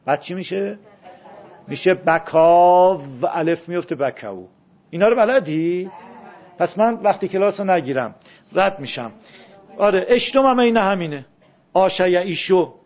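A male teacher with a high voice leads a grammar class in a classroom, quizzing his students and reciting word forms one after another. The recording is dull and lo-fi. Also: lively intonation. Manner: questioning, drills word forms aloud. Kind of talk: classroom lesson on Arabic grammar.

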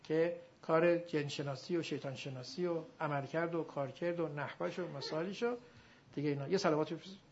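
A male teacher giving a classroom grammar lesson, drilling his students and drawing out example words slowly. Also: on the high side, steady tone, slight background noise. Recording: dull lo-fi recording.

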